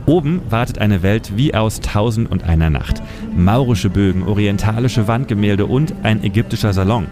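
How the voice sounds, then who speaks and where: A man reading a scripted history feature in a measured storytelling manner. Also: fairly low pitch. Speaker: narrator. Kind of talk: scripted documentary narration. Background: music.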